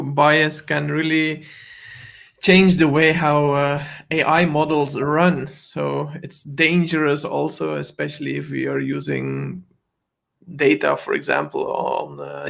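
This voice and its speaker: Gravelly-voiced male stream host. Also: a little high, fairly bright tone. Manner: friendly, asks short questions. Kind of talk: livestream hosting.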